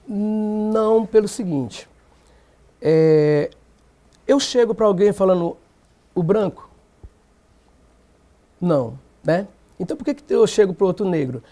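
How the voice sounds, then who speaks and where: Brazilian male activist, high mellow tone, emphatic, fond of rhetorical questions. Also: lively intonation, measured pace. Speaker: black movement activist guest. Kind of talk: TV panel debate.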